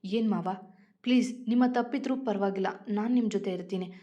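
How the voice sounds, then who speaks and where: Pleading, teary young wife, read by a woman, mellow and muffled. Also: mid-range voice, brisk, lightly acted. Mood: pleading tearful. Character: caring, tearful young wife.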